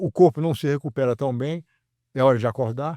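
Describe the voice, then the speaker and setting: A man's fairly high voice with ordinary pitch variation, on a very clean recording with a silent background. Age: 70s. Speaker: martial arts family member, diet advocate. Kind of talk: podcast interview. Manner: casual, conversational.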